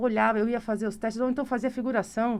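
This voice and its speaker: A woman's fairly high voice sounds against a quiet background. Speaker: actress. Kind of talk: interview. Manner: animated.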